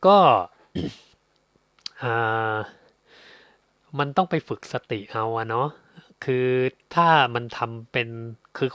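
A man's voice: mid-range voice, lively intonation, slow pace, pauses often, fairly bright tone, no echo, clean studio sound. A middle-aged man hosting an advice show, answering a listener's question in a chatty, casual way and acting out quoted lines. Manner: chatty, tag particles, acts out quoted lines. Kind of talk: casual spoken advice talk.

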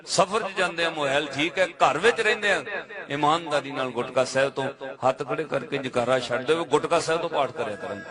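A man's voice: a little high, brisk. A man preaching to a live congregation in a Punjabi accent, exhorting his listeners with direct questions and playful asides. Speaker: Sikh preacher. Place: gathering with a crowd. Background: crowd responding.

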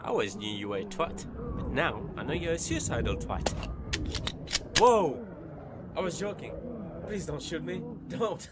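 A man's voice: on the high side, sing-song, unhurried. A man playing a mouthy, hot-headed survivor in a zombie audio drama. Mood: frightened. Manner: confrontational. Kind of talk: amateur audio drama acting. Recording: noisy amateur recording.

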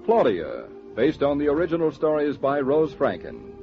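A man announcing a 1940s radio show in a smooth, salesy manner. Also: fairly high pitch, huge pitch swings, normal speed, loud music behind the voice. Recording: dull old radio transcription.

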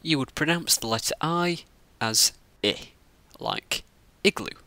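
Slow, bright-voiced male Latin teacher. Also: medium pitch, lively intonation, no room sound. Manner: slow, careful, explains each sound. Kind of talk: scripted lesson narration.

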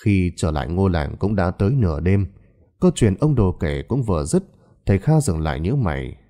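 A man narrating a horror story in a dramatic, expressive scripted style. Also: deep voice, fairly quick.

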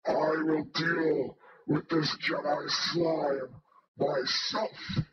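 Cold, cruel cyborg general; breathy, sickly, voice-changer filter, very slow, roomy and dull lo-fi sound. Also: male voice, fairly high pitch, fairly even intonation, pitched above the performer's own voice. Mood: menacing. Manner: slow, drawn-out threats.

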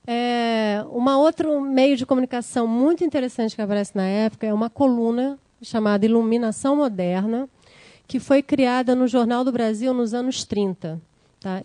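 A woman's voice: on the high side, warm tone, dry recording. Woman lecturing in a dry room. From Brazil. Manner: explanatory, addresses audience with "tá?" and "né?". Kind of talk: academic lecture with slides.

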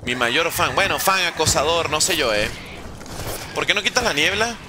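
A man's voice: fairly high pitch, animated, moderate pace, noisy background. A man streaming live gameplay, commenting and joking playfully with chat while using Mexican slang. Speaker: gaming streamer.

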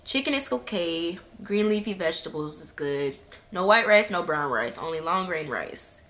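Young female vlogger, emotional and teary, casual y'all talk, clear bright voice. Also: fairly low pitch, lively intonation, moderate pace. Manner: emotional, tearful, addresses viewers as y'all. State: crying. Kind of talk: personal vlog talk to camera.

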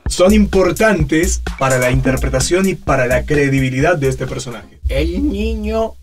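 A man in his forties giving informal, animated instruction as a voice coach in a small studio. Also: medium pitch, normal speed, faint music behind. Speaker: voice actor teaching a tutorial. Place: small home voice studio, indoors.

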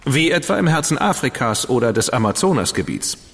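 Ironic dandy gentleman, lively voice, roomy reverb. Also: mid-range voice, fairly quick, creaky. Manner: ironic, playful. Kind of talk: German audio drama acting.

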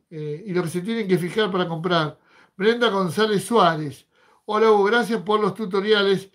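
A middle-aged man with an Argentine accent, chatting casually on a fishing livestream and reading viewers' comments aloud with jokes. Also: high voice. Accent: Rioplatense Argentine Spanish.

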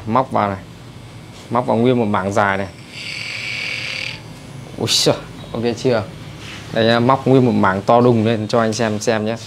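A man with a Northern Vietnamese accent giving a brisk, chatty hands-on haircut tutorial in a barbershop. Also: mid-range voice, gravelly, slight background noise. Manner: brisk, chatty, addresses viewers as brothers. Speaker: barber instructor. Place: barbershop indoors.

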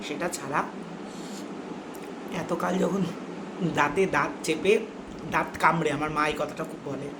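Casting: woman, mukbang vlogger talking through mouthfuls, confiding and rambling, in an echoey, noisy room. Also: lowish voice. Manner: talks while eating, mouth often full. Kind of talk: casual mukbang chat. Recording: roomy echo, clearly noisy background.

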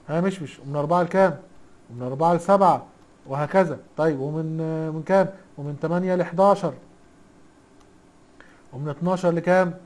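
A man with an Egyptian accent teaching a casual recorded lesson, chatty and teasing, constantly quizzing the class with rhetorical questions. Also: high voice. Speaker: IT instructor.

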